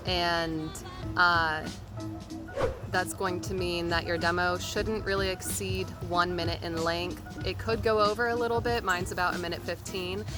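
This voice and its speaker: A woman giving an informal, step-by-step how-to tutorial in the manner of a voice actor teaching beginners. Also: fairly low pitch. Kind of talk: explanatory how-to tutorial talk. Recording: music behind the voice. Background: background music.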